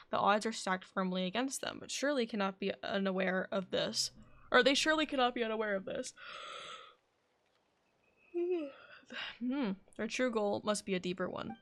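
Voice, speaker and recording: A woman's voice: mid-range voice, vocal fry, a bit bright. A woman live streamer giving casual commentary on a game and reading its dialogue aloud. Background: game music.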